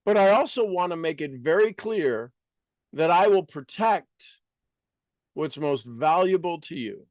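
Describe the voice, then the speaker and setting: A man speaking as a business coach in a motivational talk, asking rhetorical questions and repeating phrases emphatically with deliberate pauses. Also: on the high side, expressive, dry recording.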